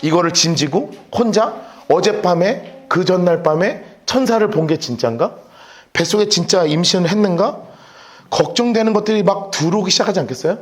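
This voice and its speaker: A male pastor preaching a sermon in a church on a handheld microphone, telling the story in an animated way and acting out the voices of the people in it. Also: sits high, fairly quick. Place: church sanctuary. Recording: echoey church hall.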